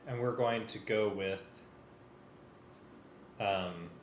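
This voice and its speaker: A man's voice: on the low side, extremely slow, a little hiss or hum. A man talking casually as he directs a music rehearsal, thinking aloud in a hesitant, working way. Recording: roomy sound with music playing.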